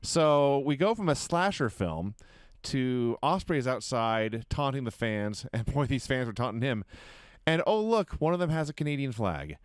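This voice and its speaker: A man with a smooth, resonant voice and a middle pitch recounts a wrestling match in vivid detail. He builds the story with animated storytelling, casual swearing and little laughs. The sound is dry and close. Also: normal speed, no echo. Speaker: podcast co-host. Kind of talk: casual wrestling recap chat.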